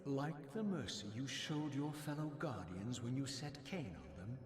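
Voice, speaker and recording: A man acts out a brooding undead male wraith from a video game. The diction is formal and deliberate, the tone theatrical and bitterly accusing, at a medium pitch for a man. Music plays clearly behind the voice. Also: lively intonation, lightly acted. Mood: cutting, scornful. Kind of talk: dramatic video game narration and dialogue.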